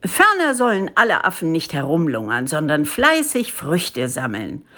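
A woman's voice: sits low, huge pitch swings, moderate pace, bright, forceful tone, voice pushed down, heavily acted. A woman voicing a pompous, self-important male monkey chief in a storybook, declaiming officiously. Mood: bossy, blustering.

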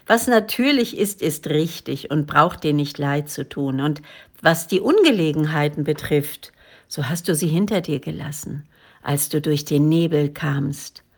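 A woman reading the part of a kindly, humorous, ageless male spirit guide in an audiobook, in a gentle, teasing, patient way. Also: deep voice, expressive, a little slow, heavily acted. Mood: gently amused.

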